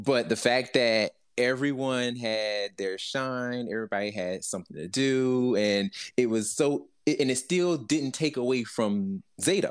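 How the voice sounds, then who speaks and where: In a plain, everyday voice, a man talks at a medium pitch with lively intonation against a quiet background. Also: fairly slow pace. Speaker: podcast co-host. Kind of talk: casual chat.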